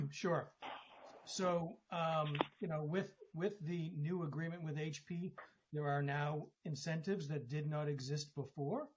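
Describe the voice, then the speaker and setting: A man speaking as a company executive, giving an explanatory answer on an earnings call in measured, halting short phrases. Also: a little high, slight background noise. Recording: dull conference phone line.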